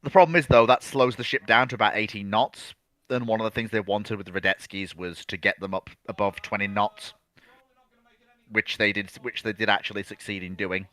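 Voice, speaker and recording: A man with a fairly low, forceful voice and a dry sound co-hosts an informal question-and-answer chat. He is emphatic and opinionated, working through his thoughts aloud and correcting himself along the way. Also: fairly even intonation, fairly quick, no echo, rough recording. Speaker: co-host of a naval history livestream.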